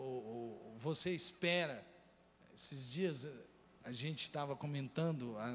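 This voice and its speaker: A man's voice: on the high side, long reverb tail, a little hiss or hum. A man with a Brazilian Portuguese accent preaching a sermon, telling a personal story earnestly and speaking straight to the congregation. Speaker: pastor.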